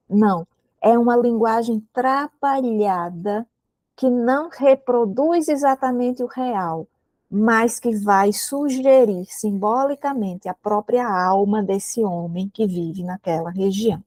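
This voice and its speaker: A woman's voice: a little high, darkish tone, dry recording. A woman with a Brazilian Portuguese accent teaching a recorded literature lecture to exam students, explaining patiently and often checking in with the class. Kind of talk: recorded prep-course lecture. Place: indoor room with a window, rain outside.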